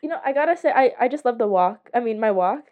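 A woman's voice: a little high, expressive, fast, darkish tone, dull audio. A young adult woman with a giggly, slangy way of telling stories in casual podcast chat.

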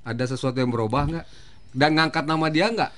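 Teasing podcast host. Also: male voice, fairly high pitch, a little fast, fairly bright tone. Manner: teasing, playful banter. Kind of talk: casual chat.

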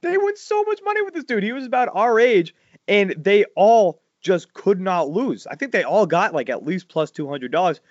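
A loud, animated man in his 40s hosts a podcast and chats casually at normal speed. His voice sits a little high and leaps higher when a story excites him, and the dry recording sounds dull and lo-fi.

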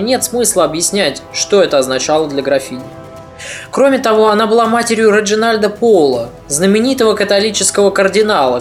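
A podcast narrator reading scripted history in a measured, dramatic storytelling manner. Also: medium pitch.

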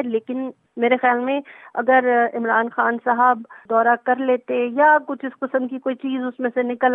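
A woman's voice: on the high side, no room sound. A woman giving her assertive opinion as a commentator in a news clip. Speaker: interviewed commentator. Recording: tinny phone-line interview.

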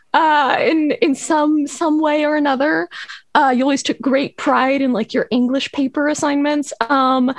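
A young woman with a fairly high voice talks as an interview guest, rambling and chatty with lots of "um" and "like". The sound is close and dry, with no room around it. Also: no room sound. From Los Angeles, USA. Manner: chatty, many fillers and restarts. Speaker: poet guest. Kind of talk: casual interview answers.

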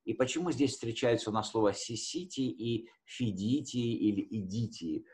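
A man's voice: medium pitch, moderate pace, darkish tone. A man teaching history conversationally, explaining with hesitations and rephrasing his key words as he goes.

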